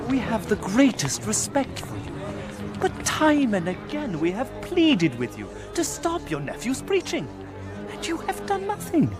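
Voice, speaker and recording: Casting: a forceful tribal leader, high expressive voice over a score. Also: male voice, heavily acted. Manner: commanding yet diplomatic. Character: male tribal leader keeping the peace. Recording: animated film with music behind.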